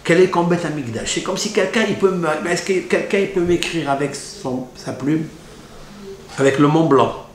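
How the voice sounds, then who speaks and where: A man's voice: on the high side, normal speed. A man teaching a Torah lesson as a rabbi, talking in a dramatic, rhetorical way and dropping Hebrew terms into his speech. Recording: echoey room with faint ambience.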